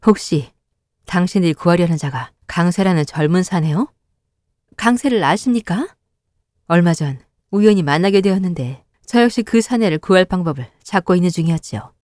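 Cartoon woman in black narrator's put-on, low, stern, proud. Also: animated, normal speed, a little mellow, no room sound, clean studio sound, natural voice. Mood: cautious. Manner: stern, dignified. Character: proud defiant woman in black, young adult.

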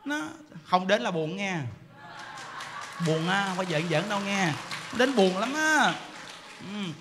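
A man, a Buddhist monk, giving an animated, joking dharma talk and acting out people's voices. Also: high-pitched, a little slow, noisy background. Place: temple hall. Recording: hall reverb with faint ambience.

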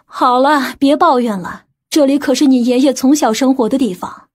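A woman voicing an authoritative, practical aunt in an audiobook drama, giving brisk instructions. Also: high voice, a little mellow. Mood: chiding.

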